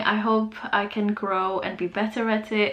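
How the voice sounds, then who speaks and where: A woman's fairly high voice comes through with noticeable background noise behind it. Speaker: psychotherapist and podcast host. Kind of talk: casual podcast monologue, Indonesian-English code-switching. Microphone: laptop with poorly compatible mics, messy audio.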